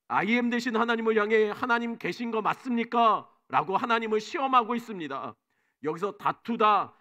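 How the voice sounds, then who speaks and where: A man preaching a Sunday sermon as senior pastor, his voice pitched high and bright. He swings from loud, emphatic lines to soft, hushed ones and acts out the speech of the people he tells about. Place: church sanctuary.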